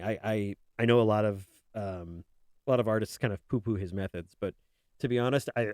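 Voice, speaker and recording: A man streaming while he draws, chatting casually in a soothing, soft-spoken way that wanders and fills pauses with ums and uhs. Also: lowish voice, dry recording, studio quality. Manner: rambling, soft-spoken, many fillers. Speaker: artist streamer. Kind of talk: casual chat while drawing on a live stream.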